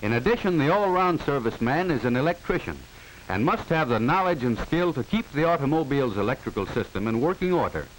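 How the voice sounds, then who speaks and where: On a hissy 1940 film soundtrack, an American man narrates a scripted educational film in a formal, instructive way, enunciating clearly. His mid-range voice moves fairly quickly, and the low-quality audio carries a constant hiss.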